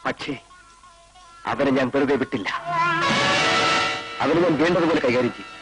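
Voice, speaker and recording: An actor playing a humiliated husband who speaks gravely and bitterly in a film drama. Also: male voice, medium pitch, normal speed, loud music behind the voice, lightly acted. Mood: brooding. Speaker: troubled husband.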